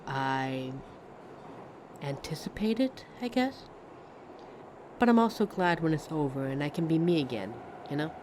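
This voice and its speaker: A woman's voice: low voice, expressive, unhurried, pauses often. A woman playing a friendly, lonely train passenger in a hesitant, reflective ASMR roleplay monologue, chatting to a stranger. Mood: wry, fond. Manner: hesitant, musing, reflective, trailing off. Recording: vehicle noise behind voice. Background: train ambience sound effects.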